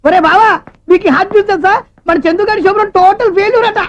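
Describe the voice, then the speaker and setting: A man playing a loud, excitable, blundering young comic sidekick in a film comedy scene, talking in a rapid clowning rush. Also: extremely high pitch, a little hiss or hum. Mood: excited.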